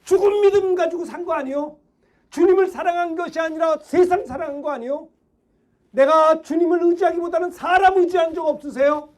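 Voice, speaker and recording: A middle-aged male pastor preaching a fervent Sunday sermon, shouting and exhorting with rhetorical questions. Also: very high voice.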